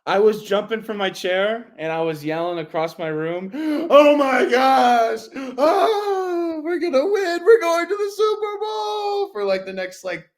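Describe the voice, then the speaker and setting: Excitable high-voiced man, casual sports chat. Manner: excitable, voice jumps high when retelling big plays. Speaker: podcast co-host.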